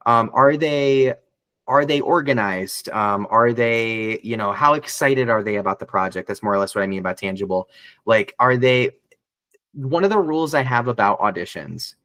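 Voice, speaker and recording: A guest voice actor talks casually during an interview, meandering with frequent restarts and fillers. His tone is fairly bright with some bass, and the recording has no echo.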